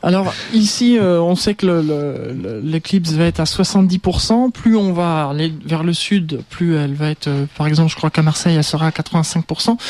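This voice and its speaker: Speaking at a fairly slow pace, a man with a high-pitched voice uses ordinary pitch variation. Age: 30s. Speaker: radio host. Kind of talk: radio interview.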